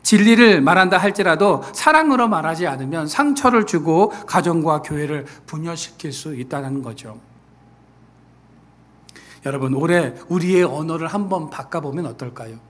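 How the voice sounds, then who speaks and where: A man preaching a sermon as pastor, who acts out quoted people in lively voices and then falls back to a soft, earnest tone. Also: a little high, moderate pace. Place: church sanctuary.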